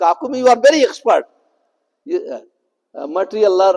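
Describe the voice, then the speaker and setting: Loud and extremely high in pitch, a man speaks with lively intonation. The sound is dry and close with no echo. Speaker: spiritual teacher. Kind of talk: lecture.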